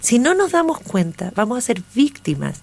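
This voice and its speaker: Very wide pitch swings in a woman's fairly slow delivery. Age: 50s. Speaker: author. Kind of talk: radio interview.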